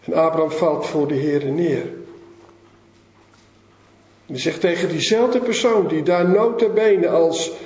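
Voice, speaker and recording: A man preaching a sermon and reading from the Bible, emphatic with dramatic swings in pitch and loudness. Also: slow pace, pauses often. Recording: echoey hall, dull lo-fi sound.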